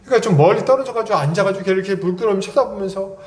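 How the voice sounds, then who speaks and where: A male pastor preaching an expository sermon, animated and acting out little dialogues. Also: sits high, rapid-fire. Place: church sanctuary. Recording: echoey church hall.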